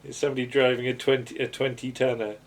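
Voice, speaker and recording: A fast-talking man with a medium pitch and little pitch movement recaps a television sitcom episode as a podcast host. Though quick, he comes across as casual and somewhat hesitant, rambling and chuckling as he talks.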